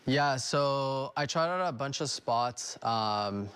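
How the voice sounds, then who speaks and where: A young adult man who owns a restaurant, interviewed on TV and speaking in a relaxed, friendly way with many fillers. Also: mid-range voice, slow pace, clean tone. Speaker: restaurant owner guest. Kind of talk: casual interview.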